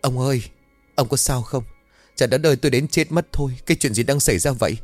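A frantic older mother, as a male storyteller puts her on, pitched high and wailing in panic. She rushes her words, shrill and desperate, in a spoken horror tale. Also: no room sound, faint music behind, lightly acted.

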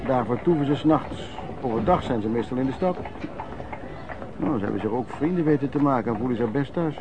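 An actor playing an old vagrant in a radio drama, reminiscing in a colloquial, halting way and repeating words. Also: male voice, medium pitch, expressive, lightly acted. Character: old vagrant recalling wartime lodging-house life, earthy storyteller. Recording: muffled old radio recording, background noise.

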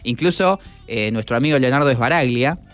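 A man's voice: mid-range voice, fairly quick. Argentine guy on the radio, chill and chatty, bit of music under him. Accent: Argentine Spanish. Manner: relaxed, chatty, recommends things emphatically. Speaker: radio host. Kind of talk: casual radio chat.

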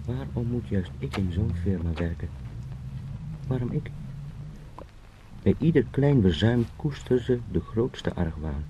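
A young salesman turned insect, full of dread and resentment. The very low voice mutters a bitter monologue in a radio play, with clear noise behind it. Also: expressive, a little slow, long pauses. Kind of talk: radio drama acting.

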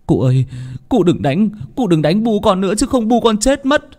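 A man's voice: high-pitched, sing-song, moderate pace, darkish tone, pitched above the performer's own voice. A man voicing a poor, desperate young peasant who wails in anguish. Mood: begging. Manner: wailing, anguished.

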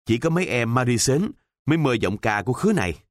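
A man's voice: medium pitch, sing-song, fast talker, dry recording, clean studio sound, natural voice. A man voicing a cocky, streetwise teenage boy who teases in a mocking way and talks full of slang, in a storybook reading. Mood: teasing.

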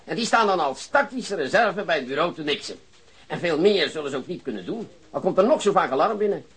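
A cocksure police chief in a radio play. His high, bright voice swoops up and down as he exuberantly repeats himself, delighted with his own plans. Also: lively intonation, brisk, husky, exaggerated voice. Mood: gleeful. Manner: exuberant, repeats words for emphasis. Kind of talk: Dutch radio drama acting.

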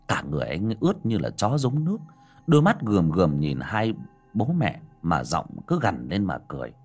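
A man narrating a spooky tale in a low, husky voice. His pitch swoops wildly to build suspense, and faint music plays underneath. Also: a little mellow. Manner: dramatic, swooping delivery. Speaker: storyteller. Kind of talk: dramatic ghost story narration.

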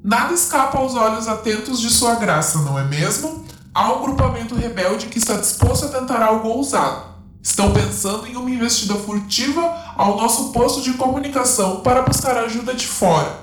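A woman's voice: on the high side, lively intonation, a little fast, a little hiss or hum, lightly acted. An actress playing an obsequious, ambitious female general with a formal, deferential manner in an audio drama. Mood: servile. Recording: roomy reverb over music bed.

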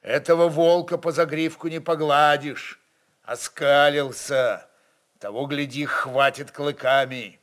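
A male narrator delivers literary prose in a dramatic storytelling style. His voice sits a little high for a man, and he takes his time, reading very slowly. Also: steady tone, a bit bright.

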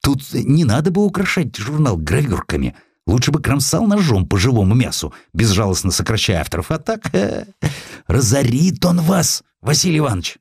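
A scheming male office secretary from a historical audiobook, voiced by a male narrator, speaks well up in pitch. He sounds gleeful and insinuating, with swooping intonation as he needles his boss. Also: sing-song, moderate pace, darkish tone, slightly rough, no room sound.

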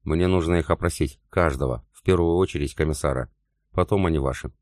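Male narrator voicing a calculating German officer, deep dry voice, storybook reading. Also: a little fast, darkish tone, dry recording. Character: cool calculating German intelligence officer, man.

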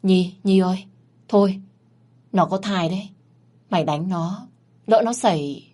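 A woman's voice: mid-range voice, a little slow, mellow, close to an everyday voice. Woman doing a raised-voiced, reproachful wronged wife. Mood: urgent. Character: angry wronged young wife.

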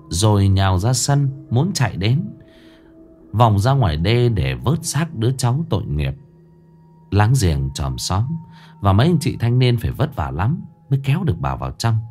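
A man's voice: fairly low pitch, darkish tone. A man narrating a ghost story in a solemn, mournful storytelling voice. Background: faint music.

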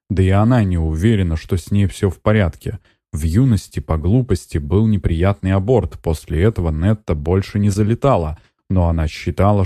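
A man reading an audiobook in an even, measured narration. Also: deep voice, no room sound, clean studio sound. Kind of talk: scripted narration.

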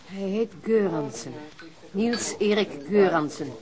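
A woman's voice: mid-range voice, animated, slow. Distrustful underworld woman, radio crime drama, defiant, coarse, curt, busy crowd background. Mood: guarded, snappy. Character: brash, distrustful blonde woman from the criminal fringe.

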